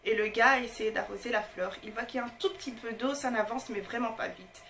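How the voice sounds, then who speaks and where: A woman's voice: on the high side, quick pace, a bit bright, a little hiss or hum. A woman speaking in casual, motivational talk to her viewers, emphatic and informal, repeating her key phrases. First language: not French. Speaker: motivational online host.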